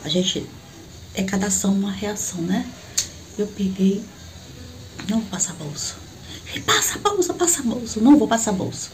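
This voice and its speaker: A middle-aged woman with a Brazilian Portuguese accent gives a personal faith testimony, speaking as a church prophet. She tells her story in an animated way and acts out the dialogue with sudden leaps in pitch. Her voice is mellow, with a faint hiss behind it.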